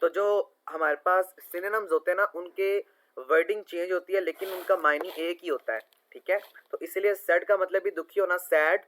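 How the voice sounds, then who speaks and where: A man's voice: a little high, a bit bright, poor audio. A man, an online tutor talking through quiz answers over a screen recording, explaining patiently and spelling words out letter by letter.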